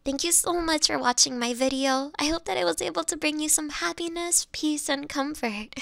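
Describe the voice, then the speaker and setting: A woman's voice: high voice, normal speed, gravelly, a bit bright, dry recording, studio quality. A woman speaking as a channel host in a cheerful outro, with a light, bubbly manner.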